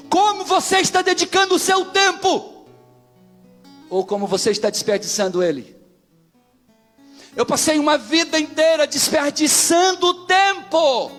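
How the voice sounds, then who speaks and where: High-voiced Brazilian pastor preaching over guitar. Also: male voice. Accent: Brazilian Portuguese. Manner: animated storytelling, swings into shouting climaxes. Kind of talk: sermon.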